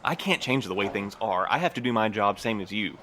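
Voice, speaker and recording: An actor playing a weary, guilt-burdened man in an audio drama, speaking in an earnest, halting way. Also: lowish voice, expressive, pushed and bright, slight background noise. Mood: earnest, tentative. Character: weary, guilt-burdened man who translates a forbidden language.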